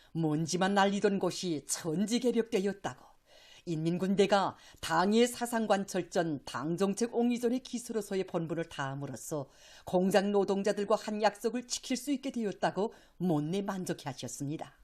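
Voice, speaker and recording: A woman's voice: medium pitch, lively intonation, moderate pace, darkish tone. A woman news announcer with a North Korean accent, reading formal scripted state news in a solemn, declamatory, reverent manner.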